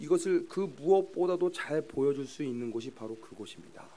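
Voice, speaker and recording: With a dark, mellow tone, a man speaks at a fairly high pitch and a fairly quick pace. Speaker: pastor. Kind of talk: sermon.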